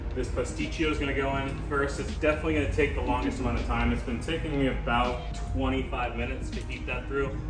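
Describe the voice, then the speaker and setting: The speech rushes by at a very fast pace with hardly any pauses while clear music plays in the background. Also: man. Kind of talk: tutorial. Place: kitchen.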